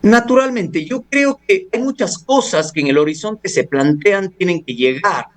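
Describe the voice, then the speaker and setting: Male law professor, radio guest, formal and measured, fairly high voice, hesitant fillers. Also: lively intonation. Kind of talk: radio interview, analytical commentary. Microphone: studio or phone radio interview.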